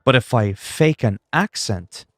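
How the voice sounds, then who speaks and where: A man's voice: medium pitch, lively intonation, measured pace, no room sound, clean studio sound, faint music behind. A man from Canada whose first language is French, chatting casually on a livestream in a self-deprecating, salty, freely swearing way. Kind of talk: casual rambling livestream chat.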